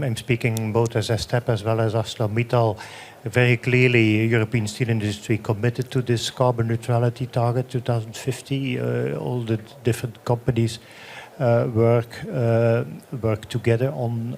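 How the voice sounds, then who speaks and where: A man speaking as an industry panelist in a panel discussion, measured and stopping to restart. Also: mid-range voice, little pitch movement, vocal fry, a little hiss or hum.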